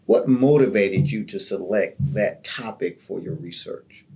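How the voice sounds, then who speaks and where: A man hosting an interview, asking measured, formal questions. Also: low-pitched, gravelly, warm tone. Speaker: host, college dean.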